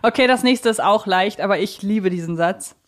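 A woman's voice: medium pitch, normal speed. Woman chatting in a quiz. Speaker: podcast co-host and radio play fan. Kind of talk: playful quiz chat between fans.

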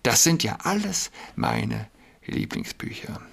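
A man voicing a sly wolf who pretends to be a female sheep, speaking in a sweet, falsely reassuring tone with a somewhat husky voice. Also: medium pitch, very animated, takes it slowly, a bit bright, exaggerated voice. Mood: false sweetness.

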